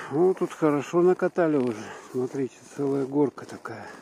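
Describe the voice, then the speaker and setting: The delivery is fairly slow, with light background noise and a dry sound that has no echo. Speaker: vlogger. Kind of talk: casual vlog chat. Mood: relaxed, content. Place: street. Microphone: phone near.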